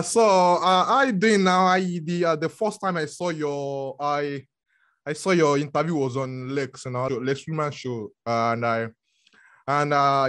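A man with a Nigerian accent hosts a podcast over a video call. His voice sits at a middle pitch. He talks haltingly, restarting his sentences and leaning on fillers. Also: fairly bright tone. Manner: halting, many restarts and fillers, repeats "actually" and "honestly". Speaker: podcast host. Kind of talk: podcast interview.

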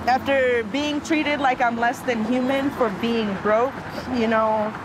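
A woman talking plainly and relaxed outdoors while getting her hair done. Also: fairly high pitch, takes it slowly, background noise. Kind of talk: casual chat. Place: outdoors on a city street.

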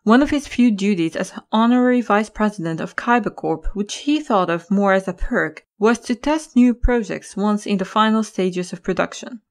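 A woman's voice: mid-range voice, lively intonation, normal speed, few pauses. A woman reading scripted story narration as the narrator of an audio drama. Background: music.

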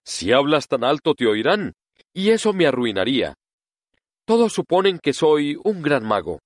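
A quavering, timid little old wizard, as a male storyteller puts him on, pitched above the reader's own voice and swinging widely in tone. He pleads and excuses himself humbly, a fraud caught out in an audiobook story. The sound is close and dry. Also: sing-song, normal speed, no echo. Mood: trembling pleading. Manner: trembling, pleading voice.

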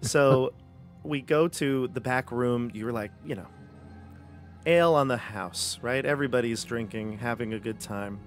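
A man's voice: mid-range voice, a little slow, faint music behind. Easygoing male game master, headset mic. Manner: rambling, easygoing, many fillers. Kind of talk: narrating a tabletop game live. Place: home room, video call.

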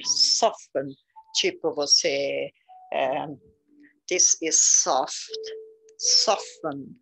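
A woman's voice: low voice, vocal fry, a bit bright, low-quality recording. A woman from southern Brazil with a gaúcho Brazilian Portuguese accent, patiently teaching beginners English pronunciation and repeating each word. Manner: slow, patient, repeats words for learners. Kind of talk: casual beginner English lesson.

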